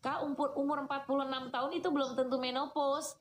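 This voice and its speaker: A woman's voice: high voice, level tone, fast, slight background noise. Chatty woman preacher in her forties. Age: 40s. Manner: chatty, teasing, addresses listeners as "Kak". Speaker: Islamic preacher. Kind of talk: lively sermon answering audience questions.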